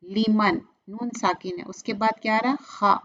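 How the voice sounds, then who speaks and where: A woman teaching recitation rules, patiently repeating each example slowly and clearly. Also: mid-range voice, steady tone, a bit bright, dull audio. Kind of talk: step-by-step tajweed lesson.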